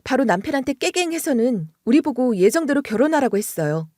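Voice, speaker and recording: A woman's voice: high voice, big pitch swings, fairly quick, a little mellow, no echo, clean studio sound. A woman narrating a true-life family story in the first person, in a conversational, confiding way.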